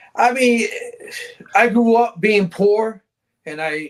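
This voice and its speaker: A man with a high pitch talks at a very slow pace. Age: 60s. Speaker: reptile breeder. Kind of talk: casual chat.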